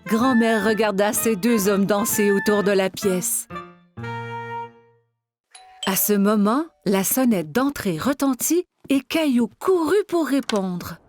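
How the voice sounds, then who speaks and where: A woman narrating a scripted children's cartoon story in simple, clear phrases. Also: mid-range voice, slow pace, lightly acted. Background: background music.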